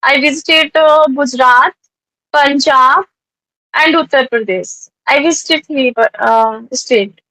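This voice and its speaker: A woman's voice: high-pitched, slow pace, sharp tone, dry recording, poor audio. A woman with an Indian accent from North India, chatting in conversation practice, hesitant with frequent fillers. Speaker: tutor practicing English conversation.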